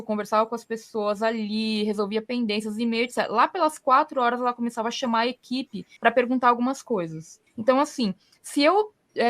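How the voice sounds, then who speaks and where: A Brazilian woman hosting a casual talk, explaining her points with everyday examples. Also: on the high side. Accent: Brazilian Portuguese. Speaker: podcast host. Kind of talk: casual conversational advice.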